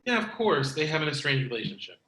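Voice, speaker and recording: A snarky, blunt male sidekick, acted by a man reading a comedy script. His voice is fairly high with a sharp, bright edge, in an echoey room. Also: very animated, fast talker. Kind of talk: comedy script table read. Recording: echoey, distant room sound.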